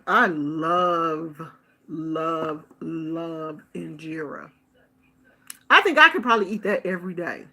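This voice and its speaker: Chatty woman with a bright voice. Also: medium pitch. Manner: chatty, expressive, animated quoting of others. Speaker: vlogger. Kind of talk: casual storytelling. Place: Bay Area.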